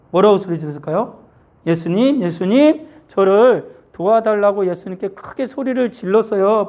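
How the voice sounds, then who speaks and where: Mellow-voiced man preaching to children. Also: high voice. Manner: storytelling, asking children questions. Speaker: pastor. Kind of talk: children's sermon.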